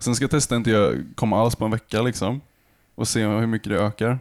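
Talking very fast, a man is heard on a very clean recording with a silent background. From Sweden, Malmö (Skåne). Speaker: podcast co-host. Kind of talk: casual chat.

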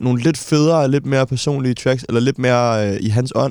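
A man at a medium pitch and a moderate pace. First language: not Danish (speaking Danish). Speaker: podcast co-host. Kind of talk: casual chat.

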